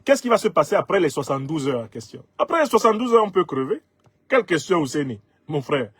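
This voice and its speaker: A man's voice: a little high, very animated, fast talker, a bit bright, husky, dry recording. Give me a man from Cameroon in his fifties, emphatic and rhetorical, commenting on viewer comments with a dry sound. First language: Bassa. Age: 50s. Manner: emphatic, rhetorical, laughs at his own jokes. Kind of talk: commentary on social media comments.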